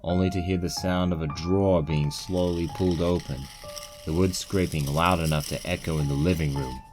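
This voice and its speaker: Deep-voiced man narrating a story. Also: fairly even intonation, moderate pace, over music. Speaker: narrator of a fan fiction reading.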